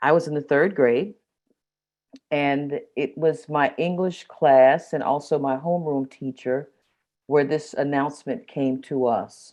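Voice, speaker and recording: A woman's very deep, low voice with a dark, mellow tone, fairly even intonation and a fairly slow pace. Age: 60s. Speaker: panelist, caretaker. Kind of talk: storytelling. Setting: web conference.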